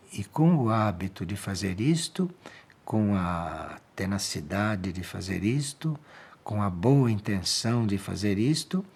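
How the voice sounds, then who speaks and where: Slow husky-voiced Brazilian spiritual teacher. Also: male voice, fairly low pitch. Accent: Brazilian Portuguese. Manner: calm, measured, repeats key phrases for emphasis. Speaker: spiritual teacher giving a monthly talk. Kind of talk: slow reflective spiritual talk answering questions.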